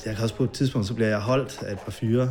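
A man being interviewed, recounting a memory in a halting way with many fillers and vivid detail. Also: fairly low pitch, steady tone, darkish tone, slight background noise.

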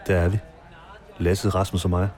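A man narrating his own story in a quiet, measured first-person documentary style, with marimba music behind him. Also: low voice, little pitch movement.

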